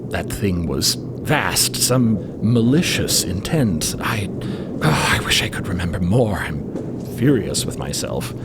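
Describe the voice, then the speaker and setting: A man voicing a troubled, courteous explorer who speaks haltingly and wordily in an audio drama. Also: deep voice, big pitch swings, very noisy, full character voice. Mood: troubled, haunted. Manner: halting, wordy, polite. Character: troubled, hesitant, courteous man of a cosmic expedition.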